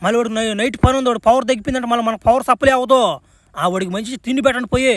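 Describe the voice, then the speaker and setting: A man's voice: very high-pitched, fairly even intonation, racing, a bit bright, a little hiss or hum. A man voicing a cocky, crude young male superhero stranded on a strange planet in a comedy cartoon, swearing and laughing as he talks, with a rural Andhra Telugu accent. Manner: foul-mouthed, boisterous, laughs between lines.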